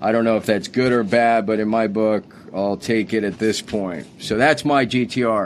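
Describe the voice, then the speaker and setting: A man talks in a normal speaking voice at a medium pitch. He goes at a fairly slow pace with hardly any pauses. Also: fairly even intonation. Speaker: podcast host. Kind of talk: interview.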